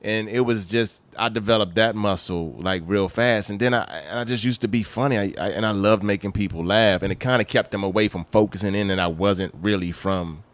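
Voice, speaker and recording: A man in his fifties, speaking in a low register. He tells stories in relaxed conversation and moves into lively impressions whenever he quotes someone. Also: brisk, few pauses. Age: 50s. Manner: animated, acts out quoted voices. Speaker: guest. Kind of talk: casual storytelling.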